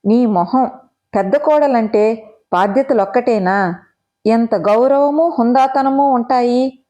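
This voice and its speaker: A woman voicing a strict middle-aged mother who scolds and coaxes her eldest daughter in measured, deliberate speech. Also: on the high side, dark tone. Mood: coaxing.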